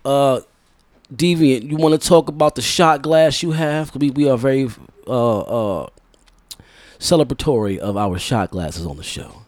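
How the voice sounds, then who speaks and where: A man's voice: medium pitch, unhurried, darkish tone, no echo. A man hosting a podcast, a little congested, trading playful slangy banter in casual chat. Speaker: podcast host.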